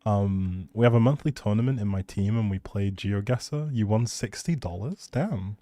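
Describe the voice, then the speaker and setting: A man's voice: fairly low pitch, moderate pace, dark tone, no room sound. A man chatting casually with viewers as a live game streamer, in a laid-back, informal and reassuring way. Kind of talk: casual livestream chat with viewers.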